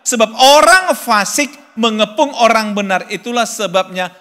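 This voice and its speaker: A male pastor preaching a sermon to his congregation, animated, rising to loud pleading cries when he reads scripture. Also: high voice, normal speed. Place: church hall. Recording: reverberant church hall.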